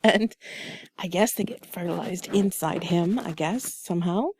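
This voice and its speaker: A woman chatting softly and intimately to a listener close to the mic, playful and rambling, often slipping into a whisper. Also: on the low side, slight background noise. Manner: soft and breathy, often dropping into whispers; playful, giggly, rambling and halting. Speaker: intimate audio performer telling stories to the listener. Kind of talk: intimate, cuddly ASMR-like chat. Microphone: close mic, dry sound.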